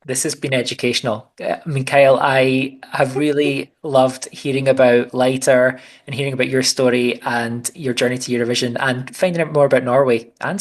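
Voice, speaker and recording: A man hosting an interview, mostly giving short encouraging replies and wrapping up upbeat. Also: medium pitch. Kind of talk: interview host.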